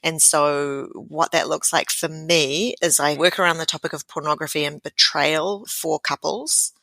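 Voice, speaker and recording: A woman's voice: deep voice, fairly even intonation, measured pace, vocal fry, bright, forceful tone, no echo. A middle-aged woman with a New Zealand accent, a sex therapist speaking frankly and at length as a podcast guest. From born in the Philippines, raised around the world. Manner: frank, thoughtful, explains at length. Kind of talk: podcast interview.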